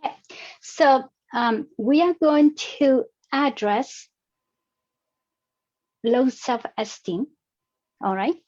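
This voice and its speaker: A woman from Vietnam whose first language is Vietnamese presents an online workshop as an EFT practitioner. She speaks slowly and carefully, explaining step by step in a high-pitched, slightly mellow voice. The video call audio is dull and lo-fi.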